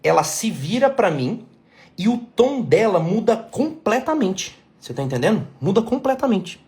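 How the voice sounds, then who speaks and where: Brazilian man, middle-aged therapist, blunt and emphatic, slightly high voice, lecturing to camera. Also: big pitch swings, normal speed, a little mellow. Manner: blunt, emphatic, repeats key phrases, asks "tá entendendo?". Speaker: couples therapist. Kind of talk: talking-head lesson.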